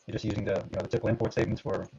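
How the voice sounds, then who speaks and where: A man giving a live coding demo as a guest, talking in a halting way with many fillers while his call audio breaks up. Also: lowish voice, steady tone, creaky, darkish tone, slight background noise. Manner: halting, full of fillers and restarts. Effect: choppy, breaking-up call audio. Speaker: guest demonstrating software. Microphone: computer headset on a video call. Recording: dull lo-fi online call audio.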